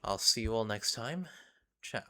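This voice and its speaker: A man's voice: on the low side, expressive, unhurried, pushed and bright. A man chatting casually as he hosts a livestream. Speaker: streamer.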